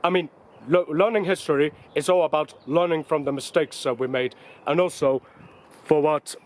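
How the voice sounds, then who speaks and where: A man walking and climbing around old castle ruins outdoors, chatting casually to his camera with frequent ums and uhs as he thinks aloud. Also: a little high. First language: English. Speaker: vlogger. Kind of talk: casual travel vlog narration.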